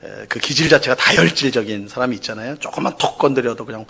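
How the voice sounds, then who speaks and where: A man preaching a Sunday sermon in a church, mid-pitched and conversational. He fills his talk with fillers and rhetorical questions, acting out quoted complaints in a raised, pleading voice. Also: fast, creaky, pushed and bright, husky. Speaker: pastor. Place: church sanctuary.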